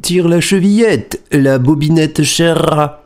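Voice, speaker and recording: A woman voicing a sly male wolf in disguise, speaking slowly with a drawn-out, menacing manner. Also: sits low, a little mellow, voice pushed down.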